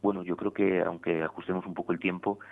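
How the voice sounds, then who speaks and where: Deep-voiced priest on a tinny radio line. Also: male voice, little pitch movement, vocal fry. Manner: measured, explanatory, with frequent tag questions. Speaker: priest guest on religious radio. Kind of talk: radio interview.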